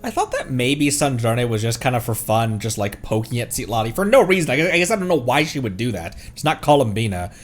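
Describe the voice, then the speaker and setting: A man's voice: mid-range voice, expressive, quick pace, few pauses. A man giving casual live stream commentary on a game, musing in a slangy way with some mild swearing. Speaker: streamer reacting to game voice lines. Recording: faint music behind.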